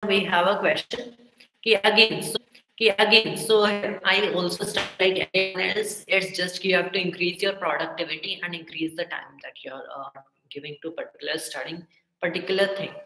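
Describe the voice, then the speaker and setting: Teen guy, south asian accent, casual livestream q&a, kinda halting, hindi mixed in, roomy webcam sound. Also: high voice, steady tone, gravelly, sharp tone, a little hiss or hum. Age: teenager. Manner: halting, reading questions aloud. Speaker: livestream host answering viewer questions. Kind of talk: casual livestream chat mixing English and Hindi. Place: indoor room with bare walls. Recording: echoey room, webcam-style livestream sound.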